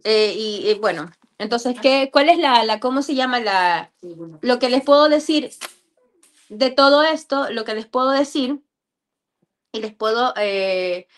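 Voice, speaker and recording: A mother telling a personal faith testimony in a halting way, often repeating words and restarting phrases. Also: a little high.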